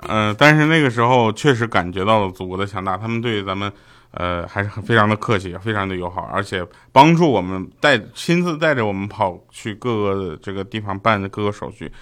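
A Chinese man from Heilongjiang hosts a comedy show, delivering a joking monologue in a brisk, somewhat low voice. He tells the story with lively energy and acts out the lines he quotes.

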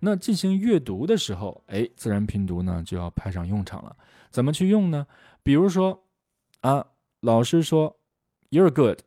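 A middle-aged man teaching how to memorize English words, lively and full of rhetorical questions. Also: medium pitch, normal speed, no echo, studio quality. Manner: lively, rhetorical questions, often asks "right?". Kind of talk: lecture on memorizing vocabulary.

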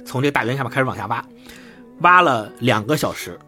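A man with a lilt retells a story at a brisk clip. He acts out each character, swinging his pitch up and down as they speak. Faint music plays underneath. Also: husky. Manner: lively, acts out dialogue with shifting pitch. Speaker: podcast host retelling a story.

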